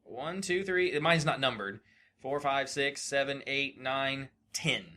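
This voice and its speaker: A man's voice: mid-range voice, slow. A man co-hosting a podcast in casual banter, running a trivia game with informal, sweary delivery. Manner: profane, animated, informal. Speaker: podcast co-host.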